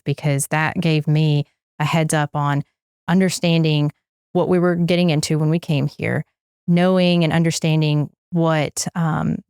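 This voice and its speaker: Young mom, interview guest, low smooth voice, earnest, repeats herself a bit. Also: female voice, a little mellow, no room sound, clean studio sound. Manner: earnest, repeats words while searching for them. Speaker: guest, parent of a toddler. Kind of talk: candid interview testimonial.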